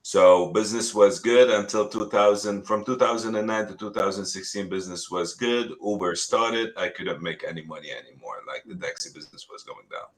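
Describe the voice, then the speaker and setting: A middle-aged man from Lebanon, a real estate agent telling his story in an earnest, halting way full of restarts. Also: on the low side. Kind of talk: casual interview talk.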